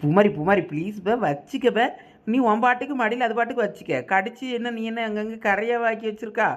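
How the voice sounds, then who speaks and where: A woman's voice: fairly high pitch, brisk. A woman with a Thoothukudi Tamil accent voicing a village woman in a cartoon, explaining and coaxing. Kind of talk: cartoon voice acting.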